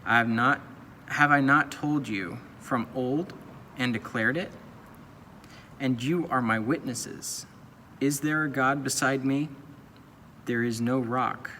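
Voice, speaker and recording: A young man reading a Bible passage aloud in a slow, measured, solemn way. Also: medium pitch, steady tone, bright, forceful tone. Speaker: scripture reader. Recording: long reverb, faint noise.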